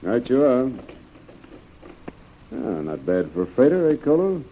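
An actor playing a steady, commanding jungle adventurer in an old radio serial. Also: male voice, mid-range voice. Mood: confident, curious. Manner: brisk, authoritative. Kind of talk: 1930s radio serial acting. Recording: muffled, noisy old radio recording.

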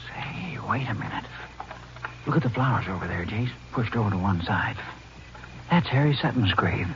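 A man's voice: fairly low pitch, lively intonation, normal speed, background noise, lightly acted. Man playing a folksy sheriff, muffled old radio. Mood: hushed, puzzled. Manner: folksy, colloquial. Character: plainspoken small-town western sheriff, loyal sidekick. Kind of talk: 1950s radio western acting.

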